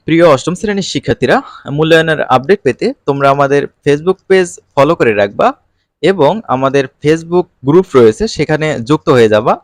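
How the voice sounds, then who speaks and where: A man tutoring students online in a relaxed, colloquial way, reading out exercises and answers with frequent fillers. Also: fairly high pitch, normal speed, dry recording. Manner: casual colloquial teaching with fillers. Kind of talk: exam-prep lesson.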